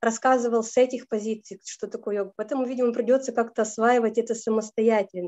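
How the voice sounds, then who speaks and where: Against a quiet background, a woman speaks at a very fast pace with hardly any pauses and monotone, flat intonation. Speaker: fasting blogger. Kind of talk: casual vlog chat. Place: home room. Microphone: phone near.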